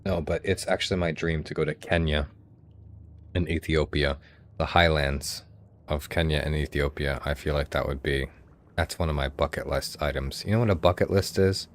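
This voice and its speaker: Streamer: American man, chatty and profane, with an extremely low voice. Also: steady tone, normal speed. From United States. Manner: chatty, swears freely, talks to viewers. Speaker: game streamer. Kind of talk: casual gameplay commentary.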